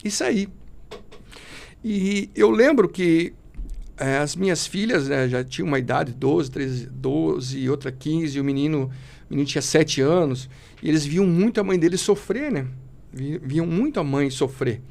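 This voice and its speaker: A man's voice: on the high side, unhurried, gravelly, a little mellow. A man giving an emotional personal testimony as a podcast guest, speaking fervently and in a preachy way, often calling the listener brother.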